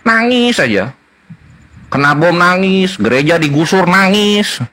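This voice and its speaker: A man's voice: high-pitched, animated, unhurried, sharp tone. A man arguing in a heated debate, mocking and taunting his opponents and repeating his jeers again and again.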